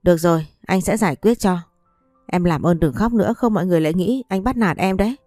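A woman voicing a calm, cool-mannered young husband in a spoken story, speaking in a level, patient, coaxing way. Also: lowish voice, fast talker, dry recording, clean studio sound, soft background music, lightly acted. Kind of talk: audiobook character reading.

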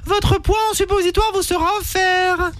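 A man doing a shrill falsetto nurse. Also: level tone, normal speed, a bit bright, dry recording. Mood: chirpy promo. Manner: sing-song sales pitch, falsetto. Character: shrill falsetto woman, chirpy secretary-nurse.

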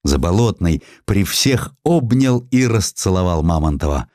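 A man narrating a historical story as an audiobook, in a measured, expressive, solemn and dramatic manner. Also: sits low, no room sound, clean studio sound. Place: dry studio.

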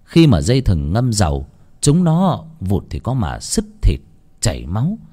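A man narrates a grim folk tale in a grave, emphatic storytelling voice. His voice sits low but rises and falls expressively to dramatize each scene. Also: huge pitch swings, unhurried, dark tone.

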